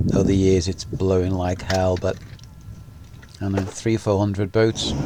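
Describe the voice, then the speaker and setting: A soft-spoken man with a fairly low pitch at a moderate pace, against noticeable background noise. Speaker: solo sailor vlogger. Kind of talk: casual vlog narration. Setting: outdoors on a sailing boat. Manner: quiet, soft-spoken.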